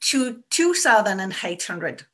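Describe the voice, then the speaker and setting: Speaking at a medium pitch with a fairly bright tone, this business coach from France sounds very animated yet unhurried. In relaxed interview replies she earnestly lays out her work, circling back to repeat key points in her French-accented speech.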